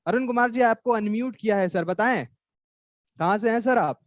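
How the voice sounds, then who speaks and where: A man's voice: high voice, moderate pace, no room sound, highs cut off. A man hosting a live online session, politely coaxing participants and addressing them as sir.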